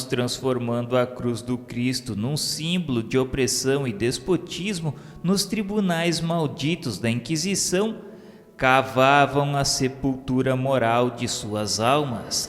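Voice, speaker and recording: A man with a Brazilian accent reads a scripted religious radio novela as narrator, in a solemn, formal manner. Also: mid-range voice. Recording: long hall reverb under music. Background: music.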